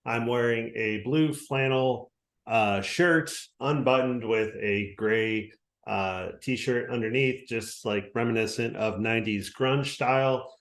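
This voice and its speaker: A man's voice: mid-range voice, slow. A man moderating an online panel, chatting casually in a self-deprecating way with fillers. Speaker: panel moderator and podcast host. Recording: roomy video-call audio.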